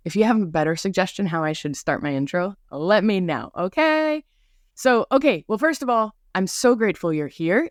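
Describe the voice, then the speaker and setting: A woman's voice: fairly low pitch, dry recording, studio quality. A woman hosting a podcast in a bubbly, chatty monologue full of asides, with a mild speech impediment on some R sounds. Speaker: podcast host. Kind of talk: casual rambling monologue.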